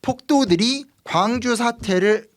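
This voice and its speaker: A man from Seoul, a history commentator explaining politics in a lecturing way, full of fillers. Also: extremely high pitch. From Seoul, South Korea. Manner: fast, lively lecturing with frequent fillers.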